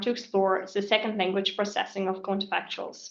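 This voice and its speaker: A woman speaks with a non-native accent. Her pace is fairly quick. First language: not English. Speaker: PhD researcher presenting. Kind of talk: academic seminar presentation. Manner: halting, many fillers.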